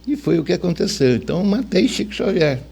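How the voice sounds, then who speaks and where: A man's voice: high-pitched, sing-song, brisk, creaky, a little mellow. An older man with a Brazilian accent, telling anecdotes casually and colloquially as an interview guest. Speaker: interview guest, veteran radio journalist.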